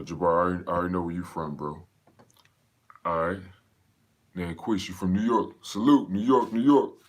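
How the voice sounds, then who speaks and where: Laid-back deep-voiced male coach. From Pennsylvania, raised in North Carolina. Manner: laid-back, greets viewers by name, slangy. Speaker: fitness coach hosting a live Q&A. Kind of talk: casual livestream chat.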